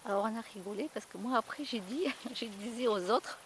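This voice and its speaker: Chatty woman vlogger, slightly high voice. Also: a little fast, slight background noise. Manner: chatty, rambling storytelling with many fillers and repeats. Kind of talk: casual chat.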